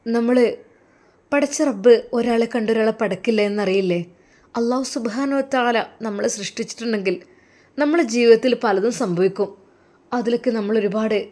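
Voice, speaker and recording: A woman's voice: a little high, a little mellow, close to an everyday voice. A woman voicing a grieving but resolute young Muslim woman in a spoken story, earnest and pleading. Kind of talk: storybook voice acting.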